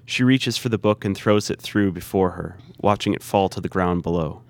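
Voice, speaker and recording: Low-voiced man reading stage directions. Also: moderate pace, dry recording. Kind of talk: scripted narration.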